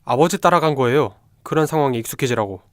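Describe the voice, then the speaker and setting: Guy doing blunt sarcastic student detective, audio drama, talks really quick, mid voice, dry recording. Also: medium pitch, animated, no echo, close to an everyday voice. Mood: irritated. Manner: brusque, sarcastic. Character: blunt, cocky, hot-tempered younger male student detective. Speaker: voice actor in a student radio drama. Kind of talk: fast radio drama dialogue.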